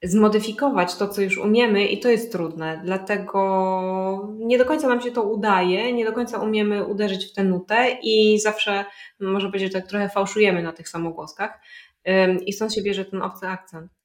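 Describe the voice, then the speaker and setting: A woman talks through ideas in a relaxed interview, explaining patiently and pausing on fillers as she thinks. Her voice sits at an ordinary mid pitch. The sound carries a noticeable room echo. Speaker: polyglot guest. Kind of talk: casual interview conversation.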